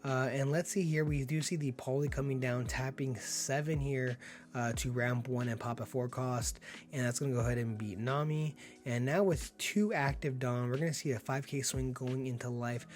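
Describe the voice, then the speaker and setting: A man getting over being sick, with a slightly hoarse voice, giving upbeat, laid-back play-by-play commentary on a card game and laughing often. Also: medium pitch, moderate pace.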